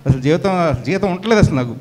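A middle-aged man, giving an earnest, halting, emotional church testimony. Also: sits high, lively intonation, darkish tone.

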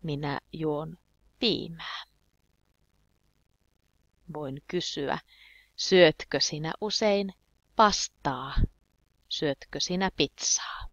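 Low gravelly woman teaching slowly. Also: a bit bright, no echo. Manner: clear, deliberate teaching with repeated example phrases. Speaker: Finnish language teacher. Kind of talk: slow beginner language lesson.

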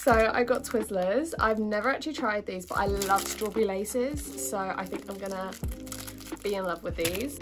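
A young British woman chatting casually to her viewers in a bubbly, informal way, with a slightly husky voice from a cold. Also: medium pitch. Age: young adult. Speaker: vlogger. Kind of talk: casual chatty haul vlog.

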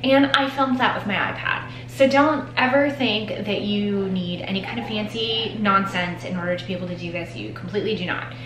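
A woman's voice: medium pitch, fairly quick, hardly any pauses, a bit bright, a little hiss or hum. Woman in her forties, rambling vlog chat, nail studio, camera on desk, echoey room. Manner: rambling, chatty, self-deprecating. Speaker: nail tech vlogger. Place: home nail studio with shelves of polish.

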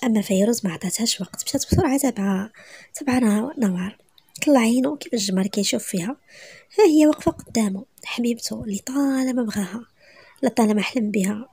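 Brief: Moroccan woman storyteller, soft hushed delivery, dark tone, very dry close sound. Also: on the high side, breathy edge, no echo. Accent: Moroccan Arabic. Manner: soft, often half-whispered narration. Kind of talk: dramatic story narration.

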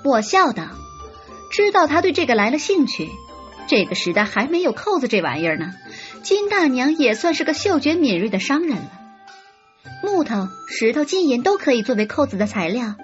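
A young woman reading a romance novel in first person with lively, expressive storytelling. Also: sits high, normal speed. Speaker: audiobook narrator. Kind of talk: scripted first-person narration. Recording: slightly muffled with soft music.

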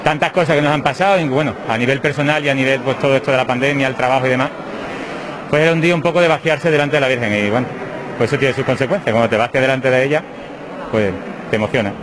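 A man in his thirties, a parish priest, talks fast and from the heart into a reporter's handheld mic. Clear chapel ambience sits behind him. He is inside a small whitewashed chapel by the altar. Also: mid-range voice, background noise. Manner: fast, heartfelt, thinking aloud. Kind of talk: interview answers.

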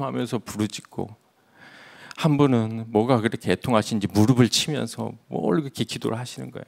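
Low gravelly-voiced male preacher. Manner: storytelling, drops to a near-whisper for emphasis. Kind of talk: sermon. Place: church sanctuary.

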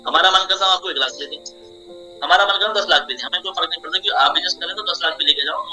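A man's voice: high voice, racing, pushed and bright, low-quality recording. Young male meeting host, persuasive and repetitive, video-call audio with faint background music. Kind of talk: explaining to a group on a video call.

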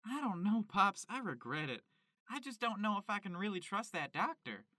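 A man's voice: high-pitched, sing-song, normal speed, noisy background. A man playing an earnest, naive young chicken farmer in a comedic audio drama. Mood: uncertain.

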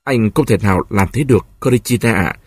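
A man reads as a young male prisoner, gentle and troubled, speaking tenderly with a husky voice. The reading is dry and close. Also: fairly low pitch, normal speed, dry recording. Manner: tender, hesitant.

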